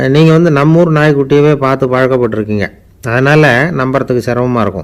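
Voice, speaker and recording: A man speaks in a fairly high voice with ordinary pitch variation. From Tamil Nadu, Ariyalur district. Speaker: radio host and orator. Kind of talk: anecdotal storytelling talk. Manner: colloquial, humorous.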